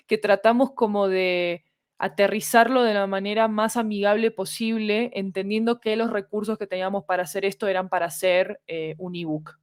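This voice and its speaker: A woman's voice: mid-range voice, dry recording. Woman explaining conversationally, dry sound. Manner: discursive, checks with rhetorical tag questions. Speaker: podcast guest, fiction audio producer.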